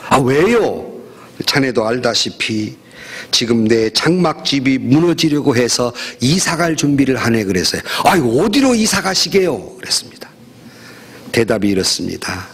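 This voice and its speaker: Middle-aged pastor guy giving a sermon, kinda husky voice, pitch jumps around a lot. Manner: storytelling with quoted voices, lively pitch.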